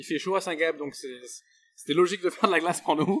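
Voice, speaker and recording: This man talks with a high-pitched voice. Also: very clean recording, silent background. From France, Paris. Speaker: entrepreneur. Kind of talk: casual interview chat. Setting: outdoors by a swimming pool. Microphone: technical issues in recording.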